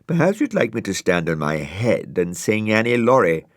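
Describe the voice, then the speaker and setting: A man's voice: fairly low pitch, sing-song, moderate pace, no echo, pitched above the performer's own voice. A man voicing a grumpy, vain and sardonic dog in a storybook reading, with a dry, grumbling delivery. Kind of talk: storybook character voice.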